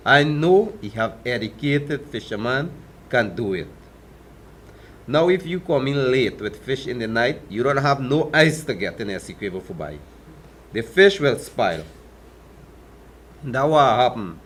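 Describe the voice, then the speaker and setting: A plain-spoken man with a Guyanese Creole lilt explains things earnestly. His pitch rises and falls a lot, over a light background hum. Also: a bit bright. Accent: Guyanese Creole-tinged English. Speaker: fisherman. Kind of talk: talk show guest.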